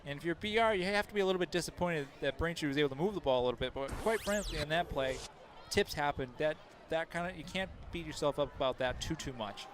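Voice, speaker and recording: A man giving color commentary at a local high school football game, chatty and analytical, often restarting his sentences. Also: lively intonation, fast talker, hardly any pauses, slight background noise.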